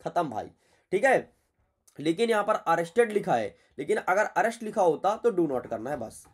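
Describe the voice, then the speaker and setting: A male teacher works through an exam paper in a lesson. His voice sits on the higher side, and he talks in a blunt, chatty way, scolding his students as he goes. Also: big pitch swings, normal speed, husky.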